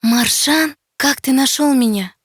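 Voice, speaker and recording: Young cartoon folktale maiden, gentle yet resourceful, high voice with music behind. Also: female voice, measured pace. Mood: surprised, worried. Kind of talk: animated fairy-tale film acting.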